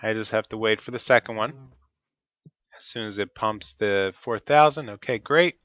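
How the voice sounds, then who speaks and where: A man's voice: fairly low pitch, moderate pace, a bit bright, no room sound, lo-fi sound. A man with a stuffy, cold-affected voice, talking methodically through each step of his gameplay. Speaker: Let's Play host. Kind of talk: casual gameplay commentary.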